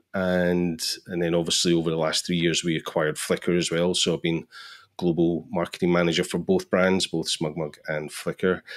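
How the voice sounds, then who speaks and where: In a Scottish accent, a man with a very deep, low voice speaks at a moderate pace in a flat monotone. The recording is very clean, with a silent background. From Scotland, central belt near Falkirk. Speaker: photographer and marketing manager. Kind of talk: interview.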